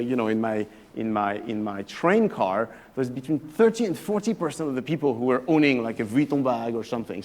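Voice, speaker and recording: A man in his thirties with a French accent, a professor giving an evening talk to a live audience in a chatty, hesitant way that often restarts phrases. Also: mid-range voice. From France. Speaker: guest lecturer, professor.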